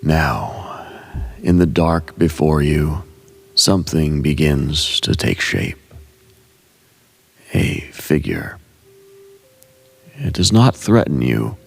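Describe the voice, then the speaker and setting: Very deep, gravelly, hushed male meditation narrator. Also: lively intonation. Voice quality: gravelly, husky, breathy. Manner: solemn, hushed, deliberate, with short measured phrases. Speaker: host and narrator of a meditative radio show. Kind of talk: ASMR guided meditation, slow dreamlike scripted narration.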